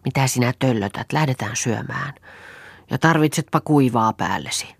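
A woman's voice: very deep voice, breathy edge, no room sound, exaggerated voice. A woman voicing a fretful, grumbling young countrywoman who wails and mutters complaints, in a storybook reading.

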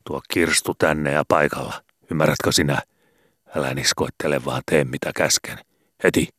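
A man doing a gruff, domineering old father. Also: a bass voice, fairly even intonation, a bit bright, no echo, clean studio sound, exaggerated voice. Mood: commanding. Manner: barking, commanding, sarcastic. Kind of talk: audiobook character voice.

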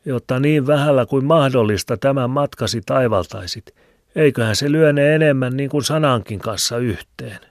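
Reading an audiobook, a man plays a grumbling, stubborn old shoemaker from a village, rambling along in folksy fashion. The voice is medium in pitch, raised above his natural register but still near everyday speech, captured in a dry, close studio with no echo.

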